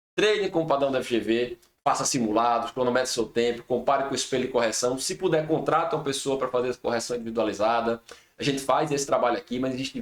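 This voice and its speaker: A man talking at a very fast pace. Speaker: teacher for public exam preparation. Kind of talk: tutorial.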